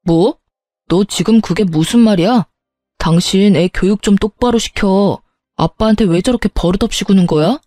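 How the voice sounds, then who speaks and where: A woman's voice: mid-range voice, moderate pace, dry recording, studio quality, soft background music, close to an everyday voice. A woman voicing a stubborn, hot-tempered middle-aged husband who barks his lines, in a storybook drama reading. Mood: gruff. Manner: gruff, shouting.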